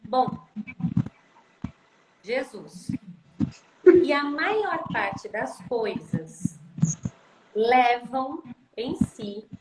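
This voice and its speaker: A woman's voice: on the high side, expressive, very slow, pauses often. A woman speech therapist talking about parenting on a live stream over a video call, emphatic and repeating phrases for stress. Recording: echoey room with loud background noise.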